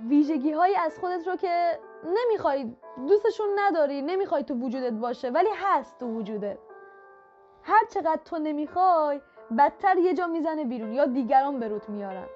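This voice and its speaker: High-voiced woman giving self-help advice. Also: animated, darkish tone. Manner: direct, repetitive, coaching tone. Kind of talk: motivational talk to the viewer. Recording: muffled lo-fi audio with faint background music.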